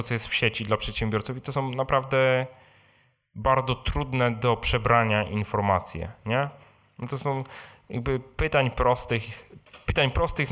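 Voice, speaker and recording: A man's voice: medium pitch, a bit bright. A man hosting a live question and answer talk, speaking informally, repeating words and often adding short tag questions. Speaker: host answering audience questions. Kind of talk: live Q&A talk on personal finance. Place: live event before an audience.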